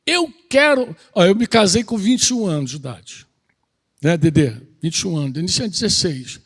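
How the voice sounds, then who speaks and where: A man's voice: high voice, lively intonation, normal speed. A middle-aged man, preaching a conversational sermon and asking his congregation questions. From Brazil. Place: outdoor country retreat gathering.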